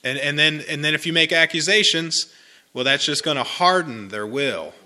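A man delivers a homely, chatty sermon to a small congregation. His voice is very bright and forward, and he often says a phrase twice for weight. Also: on the high side, normal speed. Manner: conversational, folksy, repeats phrases for emphasis. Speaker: pastor. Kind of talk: informal sermon with congregation responses.

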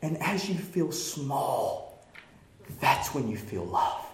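A man preaching a sermon as pastor, swinging from shouted passion to hushed, near-whispered lines. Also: medium pitch, big pitch swings, slow, echoey room. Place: church sanctuary.

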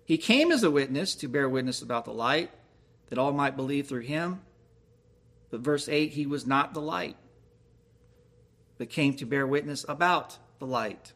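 A man's voice: mid-range voice, expressive, normal speed, long pauses, a bit bright. A man preaching a sermon, reading scripture aloud and explaining it with questions to his listeners. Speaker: pastor.

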